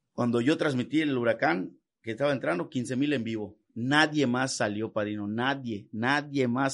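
Against a quiet background, a man with a normal speaking voice and medium pitch talks at a moderate pace with ordinary pitch variation and hardly any pauses. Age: 30s. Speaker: crime reporter. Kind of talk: casual chat.

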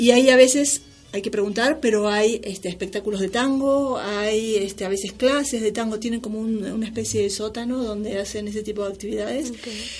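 Speaking at a fairly quick pace with hardly any pauses, a woman with a fairly high pitch shows big swings in loudness against noticeable background noise. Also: fairly even intonation. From Argentina. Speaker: travel blogger. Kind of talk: casual interview.

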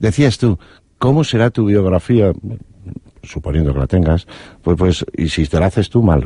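Speaking with long, frequent pauses, a man with a very deep, low pitch and a dark, mellow tone keeps his loudness very even while his intonation stays lively, his voice somewhat breathy at a moderate pace. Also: dry, close sound with no echo. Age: 50s. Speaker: psychologist. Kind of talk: interview. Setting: studio with live audience.

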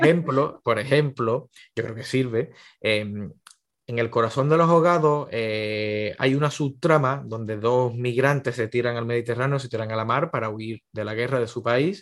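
A man with an ordinary speaking voice, medium pitch and moderate pace, over a quiet background. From Cádiz, Andalusia, Spain. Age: 30s. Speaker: novelist and marine sergeant. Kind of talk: interview.

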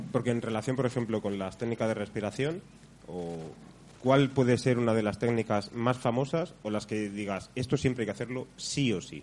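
Using an ordinary speaking voice, a man talks at a moderate pace and medium pitch, with ordinary pitch variation. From Spain, Madrid. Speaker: podcast host. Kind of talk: casual interview.

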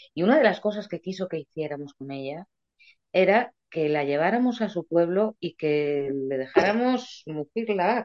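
Using a plain, everyday voice, a woman speaks at a moderate pace and a fairly low pitch. Her intonation is lively. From Galicia, Spain. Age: 60s. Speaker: journalist and writer. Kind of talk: interview.

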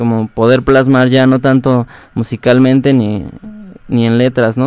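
A man speaks at a fairly slow pace in a medium pitch. His intonation stays fairly even. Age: 20s. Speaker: poet. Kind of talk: interview. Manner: halting. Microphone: too quiet.

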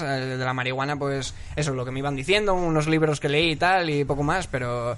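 A man at a fairly high pitch and moderate pace, with noticeable background noise. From Asturias, Spain. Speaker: poet. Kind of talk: casual chat.

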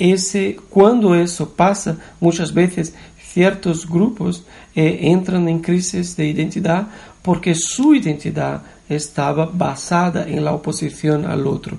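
A woman with a Portuguese accent speaks very slowly, her fairly low pitch showing ordinary variation. Her tone is dark and mellow, with vocal fry. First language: Portuguese (speaking Spanish). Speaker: university student presenting a class podcast. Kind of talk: scripted narration. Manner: halting.

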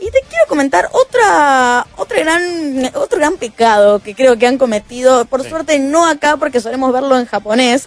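In a Rioplatense accent, a woman speaks at a moderate pace and high pitch with lively intonation and hardly any pauses, in a dry, close sound with no echo. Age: 40s. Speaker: gaming show panelist. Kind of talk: casual chat.

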